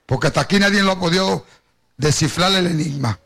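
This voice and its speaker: Older male preacher, Caribbean Spanish accent, high and very crackly voice, tells his testimony straight to the congregation. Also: fairly quick, a bit bright. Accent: Caribbean Spanish, Puerto Rican with Cuban influence. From Puerto Rico. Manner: storytelling, addresses the congregation directly. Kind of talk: sermon with personal testimony.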